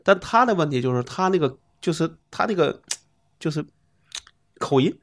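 A man's voice: fairly high pitch, expressive, normal speed, a bit bright, slight background noise. A middle-aged man from Northeast China co-hosting a podcast, chatting loosely and often chiming in with agreement. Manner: loose, rambling, frequent agreeing interjections. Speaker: podcast co-host. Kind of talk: casual chat.

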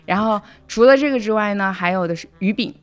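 A woman from Wenzhou calmly explaining home food step by step in a casual podcast chat. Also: medium pitch, fast. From Wenzhou, China. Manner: matter-of-fact, explains step by step. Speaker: podcast guest.

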